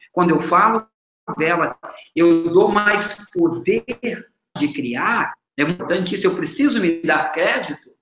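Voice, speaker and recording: The speaker goes at a fairly slow pace, with long, frequent pauses and ordinary pitch variation. Audible room echo and light background noise surround the voice. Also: man, high pitch for a man. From Rio Grande do Sul, Brazil. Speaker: trainer and speaker. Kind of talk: interview, personal storytelling. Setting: video call. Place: home room.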